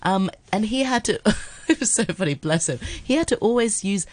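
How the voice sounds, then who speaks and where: A woman's voice: mid-range voice, lively intonation, moderate pace, no echo. A woman radio presenter in casual chat, telling anecdotes about colleagues. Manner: anecdotal, chatty.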